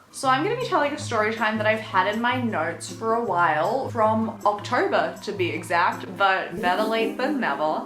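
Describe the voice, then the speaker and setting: Music plays in the background as a woman speaks at a fairly high pitch and moderate pace, with lively intonation, hardly any pauses and audible room echo. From Australia, Sydney. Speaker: YouTuber, acting student. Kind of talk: storytime monologue. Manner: animated.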